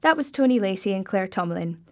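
A woman's voice: mid-range voice, animated, a little fast. A woman reading a scripted podcast link as presenter.

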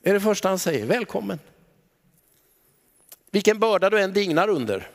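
A man preaching a sermon in a church, pausing dramatically and dropping to a soft, low voice on the words he stresses. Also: big pitch swings, vocal fry. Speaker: pastor. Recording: long church reverb.

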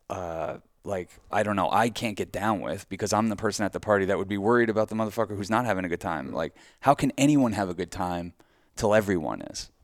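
A man's voice: on the low side, no echo, clean studio sound. An American man hosting a podcast conversation in a casual, candid and informal way. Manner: candid, informal, freely swearing. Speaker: podcast host.

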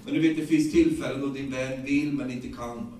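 A man with a Swedish accent preaching a sermon, retelling the story in lively everyday speech with many repeated words. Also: medium pitch, slight background noise. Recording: echoey, distant room sound.

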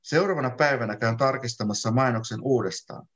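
A man reading his own literary text aloud in a calm, measured first-person narration. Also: mid-range voice. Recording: dull lo-fi sound.

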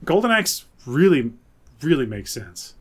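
A man's voice: fairly high pitch, very animated, measured pace, breathy edge. A man co-hosting a podcast in a casual, conversational chat. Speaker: podcast co-host. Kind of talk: casual chat about movies and video games.

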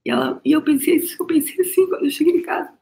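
A gravelly, high-pitched female voice, a little mellow, moves at a quick pace. The middle-aged coach, who has a Brazilian Portuguese accent, gives a live motivational talk emphatically, repeatedly addressing the listener as "meu amor" and swearing now and then.

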